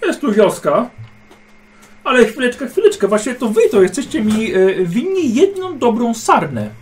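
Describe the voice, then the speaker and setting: Mężczyzna grający napuszonego, rozgniewanego szlachcica około trzydziestki, który rozkazuje władczym tonem. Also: male voice, very high voice, very animated, moderate pace, darkish tone, voice pushed up. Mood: haughty. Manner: indignant, commanding, lord-of-the-manor tone. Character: pompous angry noble man around thirty.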